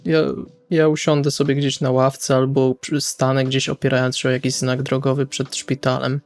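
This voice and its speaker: A man's voice: mid-range voice, completely flat delivery, normal speed, soft background music. A man playing in a tabletop roleplaying game, speaking casually as his character.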